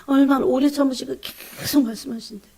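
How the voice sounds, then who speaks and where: A woman preaching a fervent, emotional sermon, often calling out to her congregation and dropping into hushed whispers between bursts of emphasis. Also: high voice, steady tone, fast talker, vocal fry, slightly rough.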